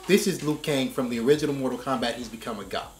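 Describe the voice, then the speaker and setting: A man's voice: medium pitch, fast, slight background noise. Man explaining things in casual discussion. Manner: explanatory, often checks with "right?". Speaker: reaction show commentator. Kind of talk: casual discussion of game story.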